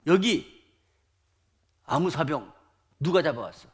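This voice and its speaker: A bossy, furious army commander barks out angry scolding, his voice pushed higher and louder than normal speech, as a man acts him out in a sermon story. He sounds commanding and domineering. His pitch swings widely as he rants. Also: animated, slow pace, breathy edge, heavily acted. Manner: shouting, scolding.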